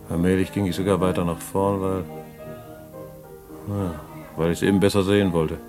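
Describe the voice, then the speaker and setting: A man's voice: sits low, close to an everyday voice. An actor playing a streetwise male black-market trader who talks colloquially and confides his own story in a radio play. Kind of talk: radio play dialogue and first-person narration.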